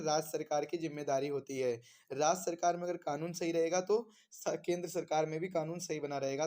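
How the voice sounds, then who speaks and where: A man with a slightly high voice gives an explanatory exam lesson. He reads out questions, repeats key phrases for emphasis and then supplies the answers himself, like a coaching instructor. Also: warm tone.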